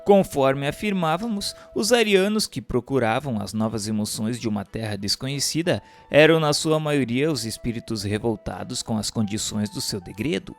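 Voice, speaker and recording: A man with a Brazilian accent reads a scripted narration in a solemn, formal, declamatory way. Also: medium pitch. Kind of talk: scripted narration, audiobook-like reading of a religious history text. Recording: voice over instrumental guitar music. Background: instrumental music with guitar.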